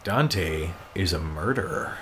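Animated man commentating on a video game. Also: deep voice, slow, a little hiss or hum. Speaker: video game show host. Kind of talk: casual reacting commentary over game cutscenes.

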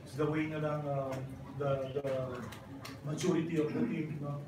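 A middle-aged man with a Filipino accent answers reporters at a post-game press table, switching between Filipino and English. He stops often and reaches for filler words. His slightly high voice bounces around a very echoey room, caught by a mic set far from him over loud background noise. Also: little pitch movement. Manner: mixes Filipino and English, halting with many fillers. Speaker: basketball coach. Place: press room with sponsor backdrop. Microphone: table microphones, heard from a distance.

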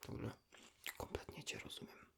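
A man whispers softly and intimately, in an unhurried ASMR chat as if to a friend. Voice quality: soft breathy whisper. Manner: hushed, intimate, unhurried, addressing the listener as a friend. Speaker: ASMR creator, host.

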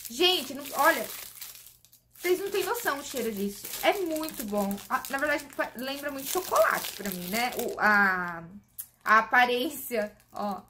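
A woman's voice: high voice, expressive, moderate pace, sharp tone, slight background noise. A woman from Brazil chatting casually to camera, enthusiastically reviewing and demonstrating beauty products for her viewers. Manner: demonstrating products while talking. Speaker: beauty vlogger.

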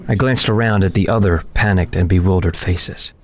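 A man's voice: low voice, normal speed, crowd noise, natural voice. An actor playing an uneasy man trapped in a deadly game, narrating a horror audio drama in a tense, dramatic way. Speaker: narrator and lead character. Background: loud music.

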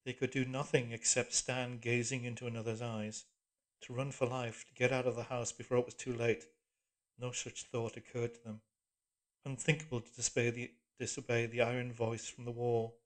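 Measured male audiobook narrator. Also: medium pitch, level tone. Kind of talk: scripted literary narration.

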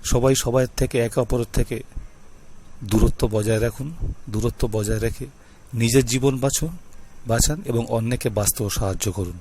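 A man hosting his own channel speaks straight to his viewers, slow and deliberate. He repeats himself often and keeps adding reminders, in a voice of middling pitch. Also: fairly even intonation, mellow, a little hiss or hum. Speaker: YouTube channel host teaching mantras. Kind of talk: talking-to-camera instruction.

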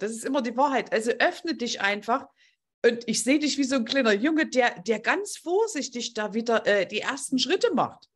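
A woman with a fairly high, slightly rough voice hosts an online group coaching session. She speaks effusively and from the heart, addressing the participants directly.

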